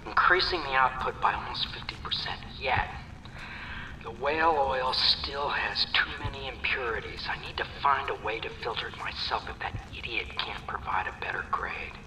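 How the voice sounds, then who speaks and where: An actor playing a self-assured, obsessive inventor who mutters precisely to himself in a video game. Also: male voice, mid-range voice, normal speed, roomy sound, in a whisper, far from the mic, natural voice, low-quality recording. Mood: absorbed.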